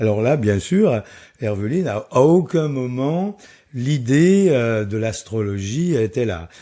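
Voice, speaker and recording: In a very clean recording with a silent background, a man of medium pitch talks at a very slow pace in a dark, mellow tone with very wide pitch swings. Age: 70s. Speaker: astrologer. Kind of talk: interview. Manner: hesitant, many fillers.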